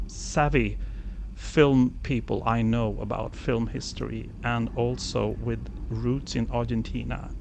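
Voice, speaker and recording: A man co-hosting a radio show, interviewing a guest in a friendly, enthusiastic, slightly halting way. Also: medium pitch, vocal fry, a little mellow, a little hiss or hum. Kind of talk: casual podcast interviewing.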